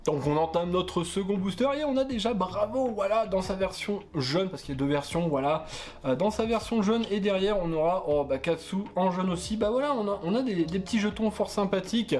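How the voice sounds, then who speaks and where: Hesitant higher-voiced man opening cards. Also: expressive, fairly quick, darkish tone. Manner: hesitant, many fillers and self-corrections; stumbles over English card names. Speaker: card opening host. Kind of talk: casual booster unboxing chat.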